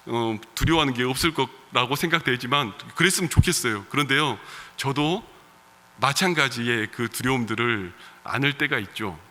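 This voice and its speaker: A man in his thirties, a pastor, preaching a sermon in a church, moving between loud emphatic calls and quiet storytelling. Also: medium pitch, moderate pace. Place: church sanctuary. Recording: long reverb of a church hall.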